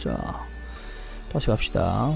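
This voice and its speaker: A young man commentating his game card and pet draws, greeting viewers and chanting loudly when good results come up. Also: fairly low pitch, slow, creaky, soft background music. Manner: animated, chants and shouts at good pulls. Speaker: game streamer. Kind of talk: excited gacha pull commentary.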